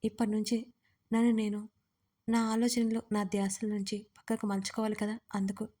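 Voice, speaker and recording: A woman's voice: medium pitch, flat delivery, normal speed, lightly acted. A woman voicing a grieving, guarded young woman who answers sharply and firmly, in an audio story. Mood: tearful. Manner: tearful, then sharp and firm.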